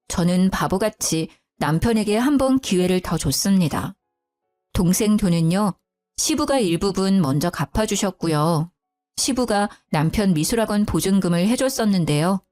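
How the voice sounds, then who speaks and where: A woman narrating a dramatic first-person story in a scripted, expressive way. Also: mid-range voice. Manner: expressive, heated when telling of her anger.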